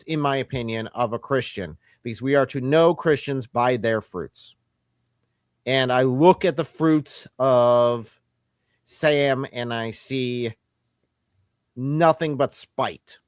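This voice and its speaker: A man's voice: medium pitch, no room sound, studio quality. A man hosting a Christian livestream, speaking in an earnest, emphatic way as he criticizes and then takes calls. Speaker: livestream co-host. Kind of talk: livestream commentary and call-in.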